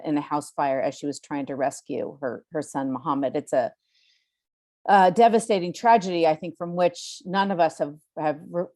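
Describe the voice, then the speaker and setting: A woman hosting a podcast interview, chatty and easygoing, with lots of ums and easy laughs. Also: low-pitched. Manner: warm, chatty, many ums, laughs easily. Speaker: podcast host. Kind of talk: casual interview chat.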